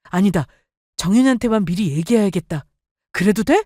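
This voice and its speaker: A woman's voice: medium pitch, animated, a little fast, dark tone, no room sound, studio quality, lightly acted. A woman voicing an eager, pushy young husband with a wheedling manner.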